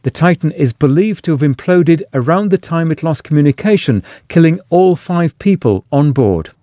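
Sober male correspondent, mellow tone. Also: a little high, expressive, normal speed, no echo, clean studio sound. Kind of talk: news report.

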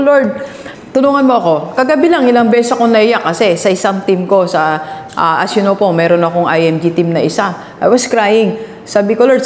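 A woman's voice: fairly high pitch, roomy sound, long reverb tail, slight background noise. A woman with a Filipino accent, a business coach giving a motivational vlog talk and challenging the listener with repeated rhetorical questions. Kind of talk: motivational vlog talk in mixed Tagalog and English.

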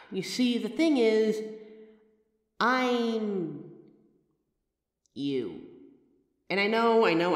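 A patient, wry mirror reflection, voiced by a man, explains itself to the listener in a chatty roleplay. The delivery is lively, swinging widely in pitch. The room rings with echo and a long reverb tail. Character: a person's own mirror reflection, a sentient light being, patient and wry. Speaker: audio roleplay voice actor. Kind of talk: scripted audio roleplay addressed to the listener.

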